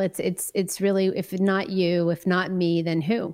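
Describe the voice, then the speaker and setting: In a very clean recording with a silent background, a woman speaks with an American accent. She has a normal speaking voice, fairly low in pitch, with fairly even intonation. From Florida. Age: 40s. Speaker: activist group cofounder. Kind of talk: interview. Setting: live stream.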